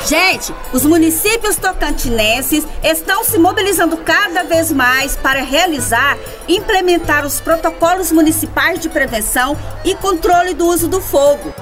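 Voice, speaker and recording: A woman's voice: very high voice, expressive, moderate pace, hardly any pauses. A woman playing an encouraging, instructive schoolteacher in a radio drama, addressing her pupils. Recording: music behind.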